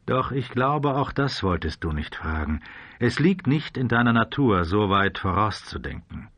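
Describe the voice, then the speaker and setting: A cryptic, giggling man in black, voiced by a man in an audiobook reading. The voice is husky and swoops up and down in lively turns. It moves between sly teasing and fearful pleading, recorded dry and close. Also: fairly low pitch, a little slow, no echo, heavily acted. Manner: giggling, shifts from mocking to pleading. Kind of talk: audiobook character voice.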